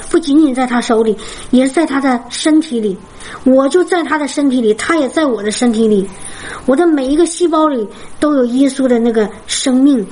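A woman sharing an emotional personal testimony with a congregation, fervent and repetitive, with many halting restarts. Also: high voice, darkish tone, slight background noise, low-quality recording. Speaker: Christian testimony speaker.

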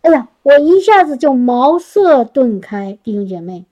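Woman, high-pitched voice, church testimony, earnest and chatty, stops and restarts sentences. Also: very animated, measured pace, warm tone. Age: adult working professional. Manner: earnest, chatty, frequent tag particles and restarts. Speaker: church speaker sharing a testimony. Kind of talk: sermon testimony to a congregation.

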